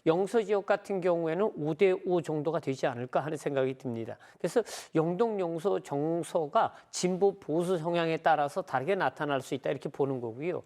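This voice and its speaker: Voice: medium pitch, brisk, hardly any pauses, darkish tone. A professor analysing election trends on a TV panel, explaining steadily and closing points with hedged conclusions.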